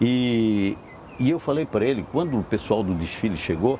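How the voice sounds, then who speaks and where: A man talks with lively intonation. Noticeable background noise runs under his voice. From Blumenau, Santa Catarina, southern Brazil. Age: 70s. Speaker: former mayor. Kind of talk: interview. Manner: halting, with repetitions and fillers.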